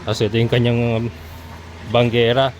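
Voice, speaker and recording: A man vlogging a casual walking tour of a land development outdoors, chatty and quick to laugh as he points things out to his viewers. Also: medium pitch, monotone. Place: outdoors at a rural lot by a road. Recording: outdoor phone recording with loud traffic noise.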